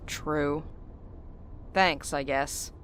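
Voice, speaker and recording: A woman's voice: low voice, fairly even intonation, drawn-out words, a bit bright, slight background noise, full character voice. A woman acting a blunt, suspicious, sardonic character with a dry, curt delivery in an audio drama.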